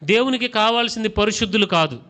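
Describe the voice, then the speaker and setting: Male pastor, high voice, bright forceful tone, questioning sermon, mixes in English. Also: expressive, fast talker. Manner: preaching, firing questions at the congregation and urging them to answer aloud; mixes English phrases into his preaching.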